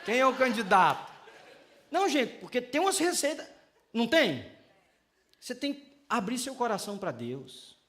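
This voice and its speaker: High-voiced man preaching with humor. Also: moderate pace. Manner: humorous, animated preaching with acted-out prayers. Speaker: pastor. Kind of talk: sermon.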